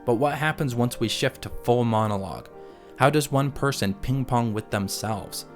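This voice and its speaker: A man narrating a scripted video essay in a measured, analytical way. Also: medium pitch, soft background music.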